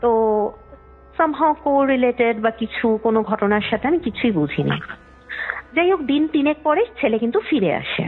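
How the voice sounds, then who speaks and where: A woman's voice: a little high, very animated, a little slow, pauses often, breathy edge. A young woman caller telling a story in a chatty, rambling way, often trailing off mid-sentence. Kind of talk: casual storytelling on a call. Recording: tinny phone line with faint music.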